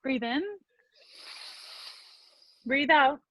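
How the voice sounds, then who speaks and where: An actress playing an encouraging, bossy best friend in a comedy sketch, coaxing and emphatic. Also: female voice, high-pitched, steady tone, very slow, no echo, muffled recording. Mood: soothing, coaching. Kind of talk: virtual staged comedy sketch reading.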